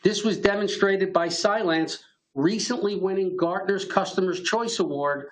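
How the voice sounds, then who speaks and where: A man giving a scripted earnings call presentation as a company executive, in a formal, measured business manner. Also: high voice, fairly bright tone, a little hiss or hum, low-quality recording.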